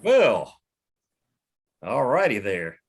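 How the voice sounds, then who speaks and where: A man's voice: mid-range voice, huge pitch swings, extremely slow, slightly rough. A man reading scripted stage directions as the narrator of a screenplay table read.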